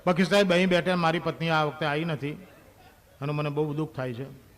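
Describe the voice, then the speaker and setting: A man's voice: a little high, little pitch movement, a little fast, a bit bright. A man with a Gujarati accent, performing a stand-up comedy monologue and telling stories, with English phrases mixed in. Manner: storytelling with acted quotes, mixing in English phrases.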